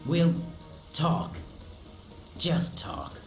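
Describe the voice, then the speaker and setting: A man's voice: a little high, sing-song, extremely slow, full character voice. An actor voicing a guarded male record shop owner in a game, reluctant to get involved. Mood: wary. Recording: game audio with roomy echo and music.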